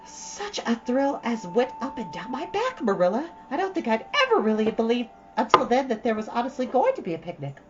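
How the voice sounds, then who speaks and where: A woman's voice: on the high side, very animated, a little fast, hardly any pauses, voice pushed up. A woman voicing a dreamy, romantic, chattering young girl in a storybook, gushing with dramatic earnestness. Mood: thrilled, earnest. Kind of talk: storybook read-aloud. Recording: dull, lo-fi, faint background noise.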